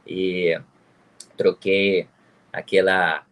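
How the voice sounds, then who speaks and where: Man, Italian accent, non-native speaker, low voice, casual interview guest. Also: level tone, drawn-out words, a bit bright. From Pisa, Tuscany, Italy. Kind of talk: casual introduction in an online interview.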